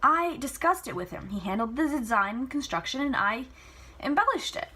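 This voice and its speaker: A woman's voice: sits high, expressive, normal speed, bright, forceful tone, husky, pitched above the performer's own voice, exaggerated voice. A woman voicing a defiant, sarcastic young woman magician in a storybook reading, emphatic and challenging. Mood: proud, playful.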